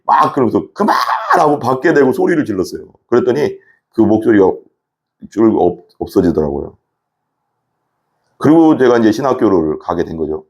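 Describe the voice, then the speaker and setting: A man preaching a sermon as pastor, telling his story in an animated way. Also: normal speed, pauses often. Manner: animated storytelling preacher, lively swings in pitch. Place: church.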